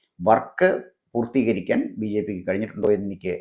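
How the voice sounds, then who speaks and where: A man talks in a dark, mellow tone. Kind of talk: political commentary monologue. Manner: halting, phrase-by-phrase delivery.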